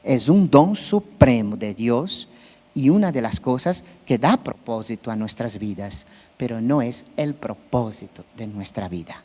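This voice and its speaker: A man's voice: mid-range voice, animated, a little slow, darkish tone. Man preaching in a reverberant church. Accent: Brazilian Portuguese. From Brazil. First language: Portuguese. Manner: conversational, often checks with listeners. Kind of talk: sermon.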